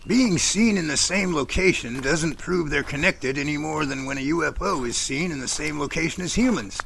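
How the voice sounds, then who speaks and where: A man's voice: a little high, moderate pace, gravelly, a bit bright, slight background noise. A man playing an opinionated friend who reasons at length and argues his points in an audio drama. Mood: reasoned. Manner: explanatory, argumentative, long reasoned speeches. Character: opinionated, reasoning male friend debating strange phenomena.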